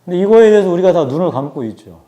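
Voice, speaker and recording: A man in his forties giving a book talk, explaining numbers in a measured way with frequent hesitations. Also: sits high, animated, warm tone. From South Korea. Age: 40s. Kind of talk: lecture-style talk with statistics.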